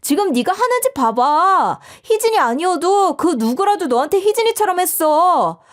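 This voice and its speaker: Blunt scolding girlfriend, high voice, animated; actress. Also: moderate pace. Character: blunt young woman friend, scolding.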